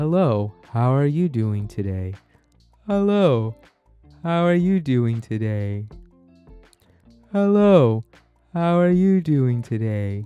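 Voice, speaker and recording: A man uses a put-on character voice, resonant and medium in pitch, with very wide pitch swings. He goes at a very slow pace with long, frequent pauses while faint music plays in the background. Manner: friendly greeting.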